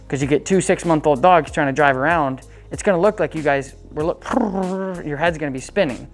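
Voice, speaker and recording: A woman's voice: deep voice, normal speed, soft background music. A woman working as a dog trainer, coaching owners in a casual, chatty way and breaking off to give the dog short, upbeat commands.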